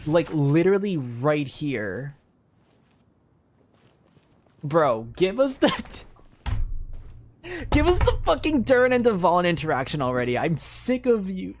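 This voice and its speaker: A woman's voice: lowish voice, sing-song, slow, pauses often, darkish tone, a little hiss or hum. A woman giving casual live gameplay commentary as a streamer, exclaiming and swearing freely. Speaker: game streamer. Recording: faint game music behind.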